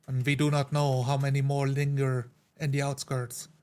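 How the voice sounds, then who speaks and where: A man playing a tabletop roleplay game, speaking in character in a measured, deliberate and rather formal way. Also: mid-range voice, little pitch movement, darkish tone, smooth.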